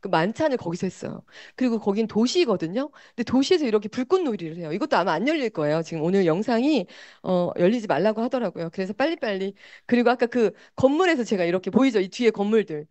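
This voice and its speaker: A woman giving a motivational sales seminar talk, animated and constantly turning to the audience with rhetorical questions. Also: medium pitch, fast talker, no room sound. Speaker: business seminar presenter.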